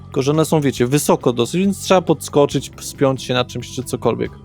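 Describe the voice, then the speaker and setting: Man, game master, conversational explaining, medium-low everyday pitch, guitar music behind. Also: fairly quick, vocal fry, a little mellow. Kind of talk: narrating a tabletop roleplaying session.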